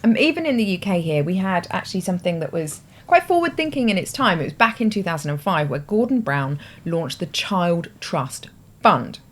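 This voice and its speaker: A British woman hosts her own show, explaining ideas to camera in a thoughtful, conversational manner with hedging asides. Her voice is fairly low with big pitch swings, and she speaks at normal speed.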